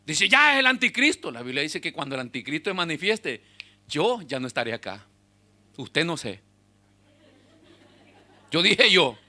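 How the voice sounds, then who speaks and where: A man preaching a sermon as pastor, swinging between loud exhortation and hushed asides to the congregation. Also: fairly high pitch, big pitch swings, measured pace, long pauses. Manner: speaks directly to the congregation with rhetorical questions.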